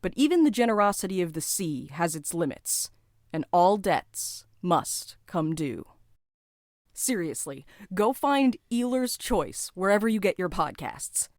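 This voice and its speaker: Woman reading a podcast promo, lowish voice. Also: very animated, measured pace, a little mellow, dry recording, clean studio sound. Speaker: podcast host. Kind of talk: scripted podcast promo narration.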